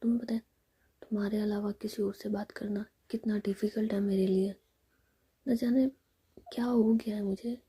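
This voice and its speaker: A woman's voice: mid-range voice, little pitch movement, moderate pace, pauses often, mellow, breathy edge. A woman voicing a playful but worried young woman facing an arranged marriage, whispered.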